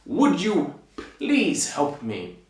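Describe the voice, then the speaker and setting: A man voicing a big, stupid, friendly fairy-tale giant with a slow, earnest, emphatic delivery. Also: fairly high pitch, huge pitch swings, a little mellow, heavily acted. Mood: pleading. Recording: roomy echo, distant microphone.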